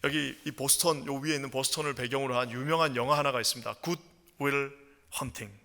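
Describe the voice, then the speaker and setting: A male pastor preaching a sermon with passion, moving between quiet storytelling and loud, ringing proclamation. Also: medium pitch, a little fast, in a large hall. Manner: impassioned, swings from hushed storytelling to loud proclamation. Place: church sanctuary.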